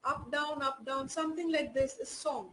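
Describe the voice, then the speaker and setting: High-voiced Indian woman teaching. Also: normal speed, a bit bright, slight background noise, rough recording. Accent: Indian English. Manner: explanatory, many "you know" fillers. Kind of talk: online class lesson.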